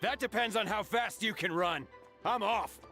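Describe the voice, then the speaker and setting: A man's voice: sits high, moderate pace, sharp tone, soft background music. An actor playing a smug, scheming henchman in a video game, taunting and theatrical. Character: smug, scheming villainous henchman, cunning and mocking.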